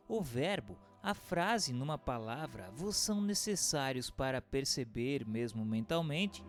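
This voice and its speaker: A man reads a scripted book for radio in a formal, measured, didactic way. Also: medium pitch. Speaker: narrator.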